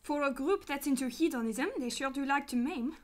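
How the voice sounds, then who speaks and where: A woman playing a sassy, irreverent detective's assistant in a sci-fi radio drama, breezy and deadpan. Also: high voice, fairly quick, natural voice. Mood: breezy, wry. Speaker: actress in a radio play.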